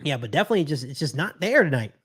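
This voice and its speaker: A high-pitched male voice with an American accent does live football play-by-play for a fan stream. He talks conversationally, repeats phrases as he works through a point, and answers viewers along the way. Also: very animated, very fast, a bit bright, slightly rough. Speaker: sports podcast host doing live play-by-play.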